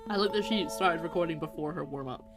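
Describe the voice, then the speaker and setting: A woman's voice: low voice, fast, over music. A woman streamer giving casual gameplay commentary with chatty, playful asides. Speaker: game streamer.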